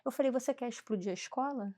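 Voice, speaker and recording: Animated Brazilian woman telling stories. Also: on the high side, quick pace. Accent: Brazilian Portuguese. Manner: animated, acts out dialogue with shifting voices. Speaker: former school principal. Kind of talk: lively storytelling in conversation.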